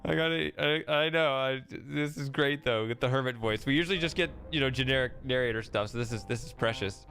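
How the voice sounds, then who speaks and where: A man's voice: medium pitch, fairly quick, few pauses, fairly bright tone, faint music behind. A man giving casual, amused commentary as host of a gameplay video. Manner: amused, giggly.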